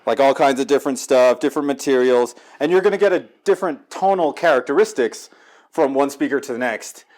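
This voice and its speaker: A man chatting casually through a home theater walkthrough in his living room, telling it in a rambling, animated, slangy way. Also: medium pitch, fairly quick. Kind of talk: casual gear walkthrough chat.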